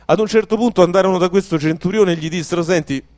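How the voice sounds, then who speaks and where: A man's voice: high voice, rapid-fire, a little mellow. A man preaching an earnest sermon, pleading and building up through repeated phrases.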